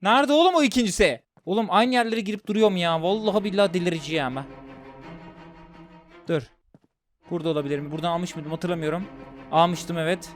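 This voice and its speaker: A man commentating a horror game as he plays, talking to his viewers and jumping into loud yelps when scared. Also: high voice, quick pace, long pauses, music in the background. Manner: talks to viewers while playing, jumpy and loud when scared. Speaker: gaming streamer.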